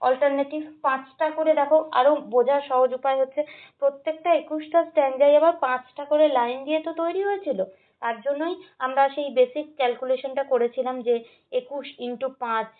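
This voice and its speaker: A woman teacher going through exam questions, reading each option slowly and explaining patiently. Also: sits high, steady tone. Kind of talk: exam-prep lecture. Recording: tinny phone-like sound.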